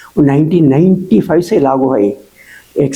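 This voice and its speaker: A man with a Telangana accent speaks at a fairly high pitch. His voice is somewhat breathy, with lively intonation. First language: Telugu (speaking Hindi). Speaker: pension explainer YouTuber. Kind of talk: informational talk. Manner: code-switching Hindi-English, hesitant.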